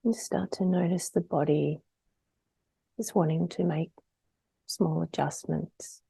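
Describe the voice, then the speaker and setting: In this guided meditation, a woman speaks gently and breathily at an unhurried pace, her words trailing off almost to a whisper across long silences. Her low voice keeps a fairly even intonation, and the recording is dry.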